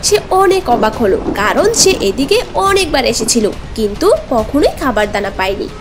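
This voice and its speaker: A woman's voice: a little high, big pitch swings, moderate pace. A woman narrating a scripted cartoon story as the storyteller. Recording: music bed under the voice. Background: background music.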